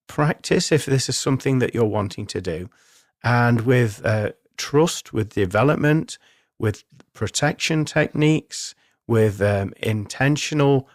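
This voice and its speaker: A man's voice: mid-range voice, no echo, studio quality. A man hosting a spiritual talk, explaining techniques in an earnest, reassuring, instructional way. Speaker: spiritual medium and radio host.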